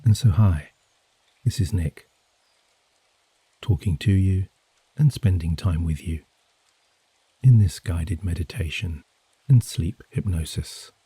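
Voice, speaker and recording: A soft-spoken man guiding a sleep hypnosis session in a hushed, soothing, measured way with gently drawn-out phrases. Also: low voice, husky, dry recording. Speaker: hypnosis and meditation guide. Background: gentle rain sounds.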